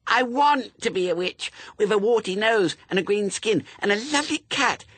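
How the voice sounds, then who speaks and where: A man voicing a stubborn, excitable six-year-old girl in a storybook, whiny and insistent. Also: high-pitched, normal speed, no room sound, pitched above the performer's own voice. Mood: gleeful.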